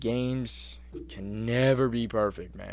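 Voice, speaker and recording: The recording has audible room reverb. The speaker is male. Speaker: gaming youtuber. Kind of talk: game review. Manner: halting, many fillers and repeats; casual.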